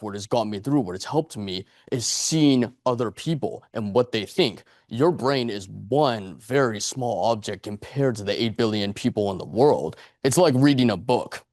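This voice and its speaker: A man's voice: lowish voice, animated, moderate pace, a little mellow, no room sound, studio quality. A man in his late twenties giving a motivational speech to a live audience, earnest and rambling, leaning on repetition and rhetorical questions. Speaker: public speaker at a speakers club. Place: meeting room before an audience.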